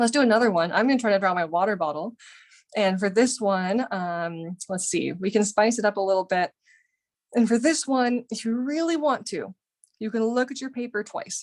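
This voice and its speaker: Fairly high in pitch, a woman talks with lively intonation and an animated tone. The background is quiet. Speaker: watercolor artist teaching a workshop. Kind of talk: tutorial. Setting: video call. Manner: fast when excited. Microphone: mic close to mouth, audio cutting in and out.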